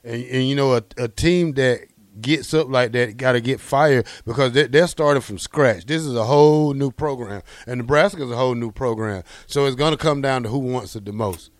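A man co-hosting casual sports talk in an earnest, halting way, often repeating words as he builds a point. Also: medium pitch, no room sound, studio quality. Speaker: sports show co-host.

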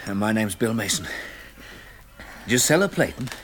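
An actor playing a level-headed, kindly man with an English accent in a 1960s radio drama, brisk, articulate and reassuring. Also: fairly low pitch, lively intonation, a bit bright. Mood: calm, kindly. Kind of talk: 1960s British radio drama acting and narration. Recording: old radio recording, faint noise.

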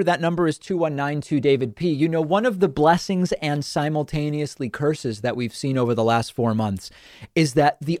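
A man from the northern United States hosting a political talk show, giving brisk, emphatic and sarcastic commentary into a studio microphone. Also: fairly high pitch, a little mellow, no room sound.

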